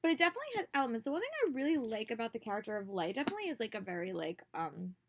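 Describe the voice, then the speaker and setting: A woman's voice: a little high, very animated, racing, noisy background. A young woman and teacher talking casually in a reading vlog, chatty with many fillers and restarts, recorded on a laptop webcam in a small bedroom. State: slightly hoarse from a cold. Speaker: book vlogger and teacher. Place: small bedroom with bookshelves and posters. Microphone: laptop webcam at close range.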